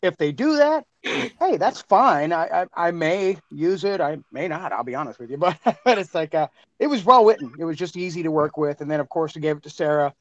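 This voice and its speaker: A man's voice: a little high, animated, brisk, dull audio. A man who edits the show's sound, speaking easygoingly through earbuds. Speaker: sound editor. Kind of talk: casual chat on a video call.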